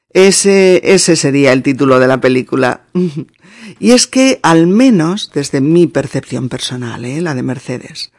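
Slow, dry-voiced Spanish teacher woman. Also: sits low, a little mellow, no echo. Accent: Spain Spanish. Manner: slow, repeats and spells out words. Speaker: Spanish teacher and podcast host.

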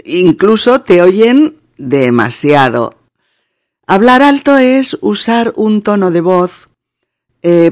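Slow, dry-voiced Spanish teacher woman. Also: low-pitched, darkish tone, no room sound. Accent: Spain Spanish. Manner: slow, repeats and spells out words. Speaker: Spanish teacher and podcast host.

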